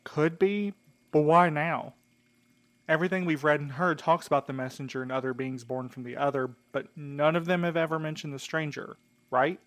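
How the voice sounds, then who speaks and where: Audio drama role: terse, suspicious male interrogator played by an actor, slightly high-pitched voice, accusing and sceptical. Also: fairly even intonation, normal speed, natural voice. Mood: wary, questioning. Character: guarded, bitter man pressing a captive for answers.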